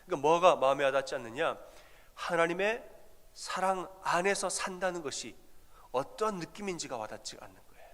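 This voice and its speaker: Male pastor, storytelling sermon, conversational, slightly high voice, long church reverb. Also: animated, fairly quick, a bit bright. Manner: conversational, asks the congregation questions. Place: church sanctuary.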